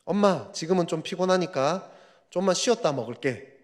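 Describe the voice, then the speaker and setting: A worn-out grown son pleads with his mother for a moment's rest, his patience wearing thin, as a pastor puts him on. The voice is raised and a little high. It echoes with a church's long reverb. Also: expressive, moderate pace. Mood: weary. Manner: weary, pleading, then exasperated. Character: tired grown son, irritable after work.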